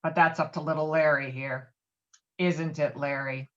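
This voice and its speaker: A woman's voice: deep voice, fairly even intonation, moderate pace, fairly bright tone, highs cut off. A woman playing a brash, foul-mouthed, domineering man in a script table read, talking in a blustering, insistent way. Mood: menacing. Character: brash, foul-mouthed, domineering male friend named Walter. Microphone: video call.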